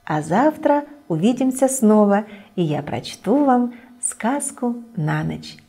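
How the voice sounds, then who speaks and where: A middle-aged woman hosting a children's TV show, reading a bedtime story aloud in a gentle, expressive way in a studio. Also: medium pitch, slow, breathy edge. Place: indoor TV studio set, children's room.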